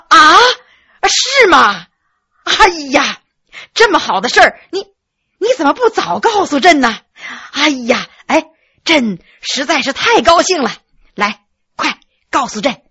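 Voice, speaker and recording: A woman's voice: mid-range voice, big pitch swings, slow, long pauses, sharp tone, husky, pitched below the performer's own voice, full character voice. A woman voicing a commanding, doting middle-aged emperor who speaks indulgently and soothingly, in a slightly muffled recording. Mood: overjoyed. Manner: indulgent, soothing, then overjoyed.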